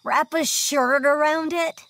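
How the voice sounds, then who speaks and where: A woman's voice: high-pitched, fairly even intonation, takes it slowly, a bit bright, full character voice. An actress playing a bossy, brash, foul-mouthed young woman, frantic, in a scripted audio drama. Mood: bossy, impatient.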